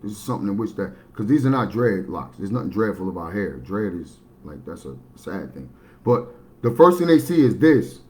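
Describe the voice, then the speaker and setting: A man's voice: big pitch swings, normal speed. A man, talking bluntly and matter-of-factly in a rambling livestream monologue. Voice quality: baritone. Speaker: livestream host.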